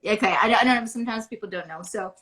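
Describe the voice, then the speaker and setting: A woman's voice: mid-range voice, rapid-fire, sharp tone. An American woman from Beverly Hills, an actress chatting as a guest in an interview, rambling with many restarts. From United States. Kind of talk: casual interview chat.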